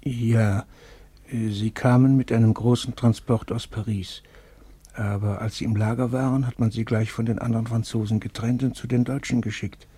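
An actor playing a broken, gentle camp survivor in a radio drama, speaking haltingly in a rough voice. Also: male voice, medium pitch, little pitch movement, dry recording, close to an everyday voice. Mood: grave, reflective. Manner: hesitant, halting, faltering.

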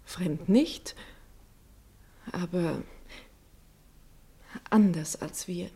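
A woman acting in a German radio play as a respectful hospital nurse, soft-spoken, hesitant and earnest. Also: fairly low pitch, extremely slow, slightly rough, heavily acted. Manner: hesitant, hushed.

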